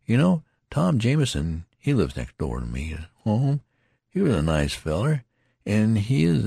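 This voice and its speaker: A man's voice: medium pitch, gravelly, mellow, husky, dry recording, clean studio sound, pitched above the performer's own voice, heavily acted. A man voicing a wounded rustic soldier who muses and rambles in a homespun drawl. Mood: rambling. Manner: homespun drawling dialect, musing.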